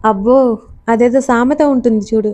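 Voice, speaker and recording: A woman reading a storybook's teasing young man on a phone call, in a slow, mocking tone. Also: a little high, mellow, lightly acted.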